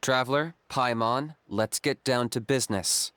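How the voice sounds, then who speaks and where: A man playing a calm, practical young tribal hunter in a video game, with a dry, matter-of-fact delivery. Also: mid-range voice, a little slow, clean tone, no echo, natural voice. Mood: businesslike. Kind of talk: video game character acting. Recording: game music behind the voice.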